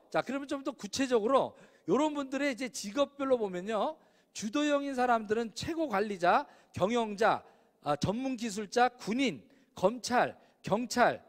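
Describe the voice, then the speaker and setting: High-voiced, animated male lecturer. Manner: animated, addresses audience with questions. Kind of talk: personality-type lecture. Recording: long hall reverb.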